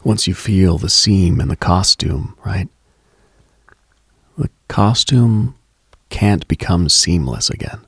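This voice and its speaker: Late-night radio host, male, very husky with gravelly fry, contemplative, halting delivery, intimate reflective monologue. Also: deep voice, expressive, no room sound. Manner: slow, contemplative, halting with pauses.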